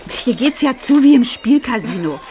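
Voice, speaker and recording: A spirited teenage schoolgirl in a radio play, speaking a little high with lively, swinging intonation. She is direct and quick to take up a friend's cause. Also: slight background noise. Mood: confrontational. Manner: direct and indignant.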